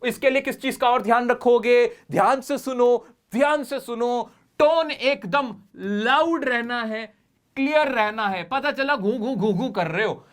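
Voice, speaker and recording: Male teacher, lively and coaxing, for a spoken English lesson. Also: very high voice, a little slow. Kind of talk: classroom lesson.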